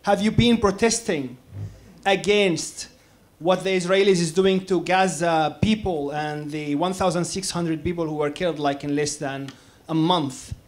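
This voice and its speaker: A man from Palestine questions a panelist from the audience. His voice sits high. He repeats the same pointed question again and again. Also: steady tone, measured pace. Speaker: audience member.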